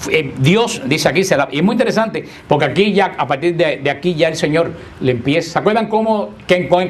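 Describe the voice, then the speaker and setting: A man's voice: a little high, a little hiss or hum. A man teaching a Bible class to a live group in a room, speaking conversationally and often asking his listeners questions. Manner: conversational, asks the class questions, playful teasing.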